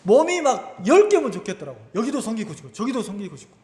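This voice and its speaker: A man preaches a lively, conversational sermon, his voice sitting high and leaping widely in pitch. He keeps asking the congregation questions. The recording carries a long, roomy church echo. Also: fast. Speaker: pastor. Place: church sanctuary. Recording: echoey church hall.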